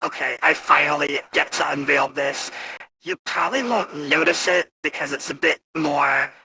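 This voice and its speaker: A man casually walking through software, his voice turned gritty and grating by an AI voice changer. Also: fairly high pitch, normal speed, slightly rough, dry recording, poor audio. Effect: AI voice changer with screamy character model. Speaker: host demonstrating voice models. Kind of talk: casual live software walkthrough.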